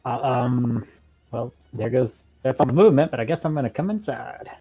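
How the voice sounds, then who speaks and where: A man's voice: mid-range voice, normal speed, warm tone, highs cut off, faint music behind. A man playing a tabletop role-playing game, chatting casually, thinking aloud hesitantly and joking.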